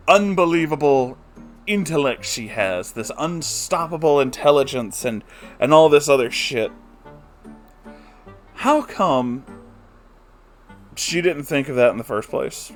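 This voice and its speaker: A man's voice: a little high, animated, slow, pauses often, soft background music. A man hosting a story-reading channel, giving casual, sarcastic commentary on a book he finds stupid. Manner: sarcastic, exasperated critic.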